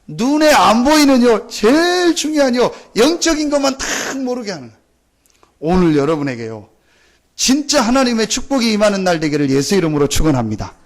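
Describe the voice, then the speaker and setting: High-pitched, intense male preacher. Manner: intense, emphatic, earnest; repetitive rhetorical questions to listeners.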